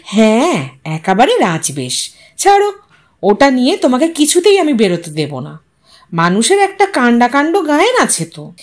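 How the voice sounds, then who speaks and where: A woman's voice: fairly high pitch, wildly swooping pitch, normal speed. A woman voicing a fussy, reproachful young wife who is fond of her husband, in an audio story. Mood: teasing protest.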